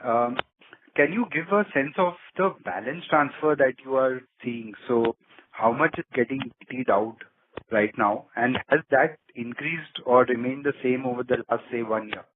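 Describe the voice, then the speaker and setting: Through a thin phone connection with faint noise comes a man's mid-pitched voice. He is an analyst putting detailed questions to management on a conference call. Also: moderate pace, narrow, tinny audio.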